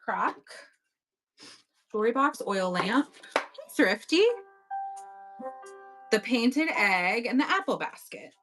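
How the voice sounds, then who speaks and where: Upbeat woman live-selling vintage items, fairly high voice, faint music underneath. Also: lively intonation, takes it slowly, long pauses, fairly bright tone, rough recording. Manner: chatty, upbeat, thanks bidders by name. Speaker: online live-auction seller. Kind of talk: casual live-selling chat. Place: home at night.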